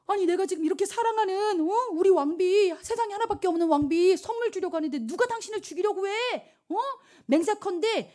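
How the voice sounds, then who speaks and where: A woman pastor voicing a loud, doting and hot-tempered male king in a retold Bible story. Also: sing-song, measured pace. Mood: alarmed. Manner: loud, booming, exclamatory.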